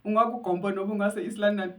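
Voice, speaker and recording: A woman's voice: medium pitch, fairly even intonation, racing, recorded from a distance. A woman hosting a casual interview, asking short conversational questions. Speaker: interview host.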